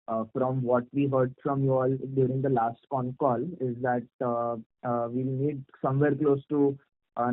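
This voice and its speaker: A man with an Indian accent asking formal questions as an analyst on an earnings call, polite, measured and wordy. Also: mid-range voice. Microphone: phone call. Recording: muffled narrow phone conference line.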